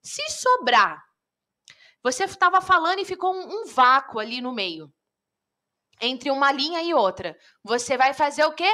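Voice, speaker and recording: A woman coach teaching public speaking in a live online lesson, lively and talking straight to viewers. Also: sits high, measured pace. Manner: lively, addresses viewers directly.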